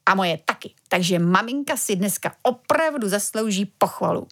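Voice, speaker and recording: A woman's voice: mid-range voice, animated, fairly bright tone. A woman voicing a boisterous father who loves his dumplings, in a children's storybook reading. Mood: hearty. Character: excitable dumpling-loving father, grown man.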